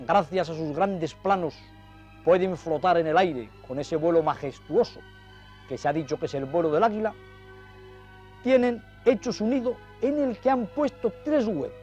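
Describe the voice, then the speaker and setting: A man's voice: high-pitched, normal speed, darkish tone. A man presents a nature documentary, explaining to viewers in ornate, dramatic storytelling phrases. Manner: didactic, addressing viewers directly. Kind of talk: nature documentary commentary, explaining over film footage. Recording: dull vintage TV audio, music behind. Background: music.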